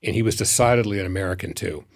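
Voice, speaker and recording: A man speaking as an interview guest in a measured, reflective way, telling anecdotes with pauses. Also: low-pitched. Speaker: foundation president, interview guest.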